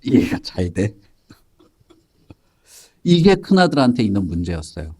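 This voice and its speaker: A man's voice: lowish voice, very animated, normal speed, warm tone, slightly rough. A man teaching a Sunday school Bible lesson to children, telling the story and quizzing them by name in a playful way. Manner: playful, joking.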